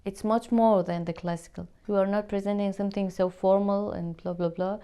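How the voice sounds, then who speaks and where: Earnest woman, smooth voice. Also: medium pitch, steady tone, a little fast, warm tone. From Syria. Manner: earnest, searching for words in a second language. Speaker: musician. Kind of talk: interview answers to camera.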